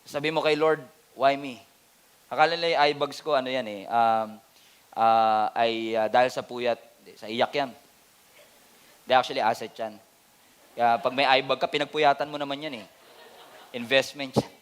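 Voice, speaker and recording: A pastor from the Philippines with a Filipino accent, delivering an animated, humorous sermon that mixes Tagalog and English. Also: male voice, mid-range voice, moderate pace, pauses often, smooth.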